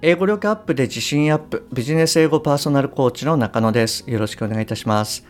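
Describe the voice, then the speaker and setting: A man hosting a business English podcast, talking politely and reading the lesson lines slowly. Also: medium pitch, soft background music. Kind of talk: podcast monologue.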